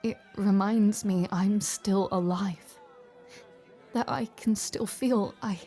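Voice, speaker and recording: A woman playing an icy war general softened by love in an audio roleplay, speaking in a hesitant, breathy, confiding way, wistful and vulnerable. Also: medium pitch, steady tone, close to an everyday voice. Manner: hesitant, halting, breathy half-whispered confiding. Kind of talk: dramatic audio roleplay acting, intimate confiding dialogue.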